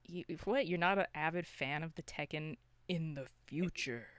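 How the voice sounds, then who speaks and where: Podcast co-host, smooth clear voice, close dry sound, mid-range pitch, loose rambling film chat. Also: normal speed, fairly bright tone, no echo. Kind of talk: casual unscripted film discussion.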